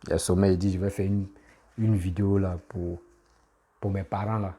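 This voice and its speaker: A man's voice: sits low, level tone, moderate pace, warm tone, slight background noise. A man who has a cold, giving a casual, insistent political rant that scolds his listeners. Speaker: political commentator.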